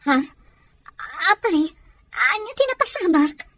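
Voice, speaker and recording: A woman playing an anguished, sharp-tongued young wife in a radio drama, with a Filipino accent. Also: very high-pitched, big pitch swings, slow pace, no echo, exaggerated voice. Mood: anxious.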